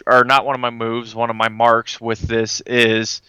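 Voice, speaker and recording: A man's voice: mid-range voice, completely flat delivery, normal speed, sharp tone, smooth, no room sound. A man playing a tabletop game, talking casually through the rules as a player.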